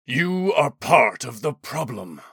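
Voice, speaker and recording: A man performs a mighty elemental shaman for a fantasy audiobook. The voice is booming and forceful, with slow, weighty phrasing. He sounds grave, commanding and kindly at heart. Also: lively intonation, no echo, studio quality, full character voice. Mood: stern command. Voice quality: deep, booming.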